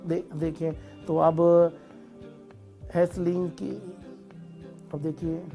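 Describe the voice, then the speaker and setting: Over soft background music, a TV call-in host with a fairly high, warm voice speaks with little pitch movement. He thanks callers by blessing them, explains things live, and stumbles at times on foreign place names.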